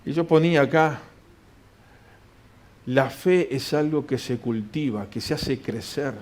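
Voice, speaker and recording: A man's voice: medium pitch, a little slow. Man preaching a sermon. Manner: reads scripture aloud, asks and answers his own questions. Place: church.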